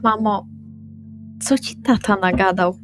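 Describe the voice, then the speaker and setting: A woman's voice: medium pitch, takes it slowly, soft background music, lightly acted. A woman playing a young vampire daughter, affectionate but evasive, in a tabletop role-playing game. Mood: placating, evasive. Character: Wendy, vampire daughter placating her parents.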